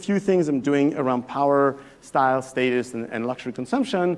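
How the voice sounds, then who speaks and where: With a French accent, a man speaks at a moderate pace in a fairly high voice with ordinary pitch variation over a quiet background. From France. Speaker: business school professor. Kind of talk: lecture. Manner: halting.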